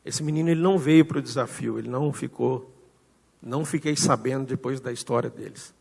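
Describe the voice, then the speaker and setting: Man, Brazilian Portuguese accent, pastor, sermon, long hall reverb, husky tone. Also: medium pitch, brisk. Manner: storytelling, acts out dialogue with shifting loudness. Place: church hall.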